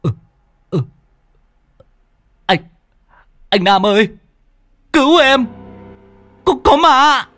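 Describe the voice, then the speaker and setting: A man's voice: lowish voice, sing-song, normal speed, pauses often, slightly rough, no echo, soft background music, exaggerated voice. A man voicing a frightened young drunk man who stammers and cries out for help. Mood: panicked.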